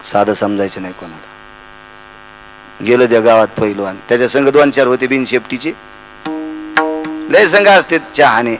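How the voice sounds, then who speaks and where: A man's voice: medium pitch, normal speed, pauses often, slight background noise, poor audio. A man telling humorous stories in a kirtan sermon, acting out the voices of the people in them. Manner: animated, acts out voices in anecdotes. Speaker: kirtan preacher. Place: devotional gathering, live audience.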